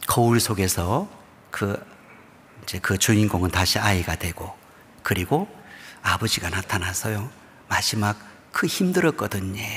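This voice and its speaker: A middle-aged pastor from Busan with a Gyeongsang accent, telling a story during a sermon and often dropping to a hushed near-whisper. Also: male voice, fairly low pitch, a little hiss or hum. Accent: Gyeongsang dialect. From Busan, South Korea. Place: church sanctuary. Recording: long reverb of a church hall.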